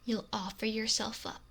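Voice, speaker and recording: A woman playing a possessive, wealthy mafia boss in an intimate ASMR roleplay, breathy and often whispery, with a slow, softly threatening manner. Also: on the high side, heavily acted. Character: possessive, domineering wealthy female mafia boss, lonely, menacing. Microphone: close binaural ASMR microphone.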